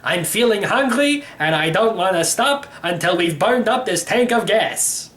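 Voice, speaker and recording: A man's voice: high-pitched, animated, measured pace, fairly bright tone, pitched above the performer's own voice. A man voicing a cheerful, reckless, eccentric old uncle from a storybook in a theatrical, breezy manner. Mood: breezy, hungry. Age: older. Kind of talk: storybook character voice.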